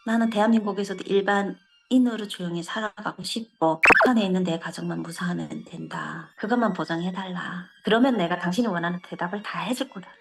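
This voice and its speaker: A middle-aged woman from North Korea giving a personal testimony, telling her story in a lively way and acting out the dialogue. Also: fairly low pitch, fairly quick, hardly any pauses, faint music behind. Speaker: interviewee.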